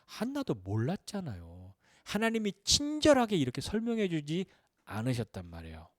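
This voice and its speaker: A man's voice: fairly high pitch, normal speed, no room sound, studio quality. A man preaching a Sunday sermon as pastor, asking questions and answering them, his voice rising and dropping for emphasis. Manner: lively, questioning, rises and drops for emphasis.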